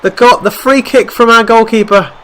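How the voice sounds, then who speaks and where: A man with a stuffy nose from a cold, calling football game highlights as play-by-play commentary and getting excited at near misses. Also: normal speed, noisy background. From Wales. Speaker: gaming YouTuber.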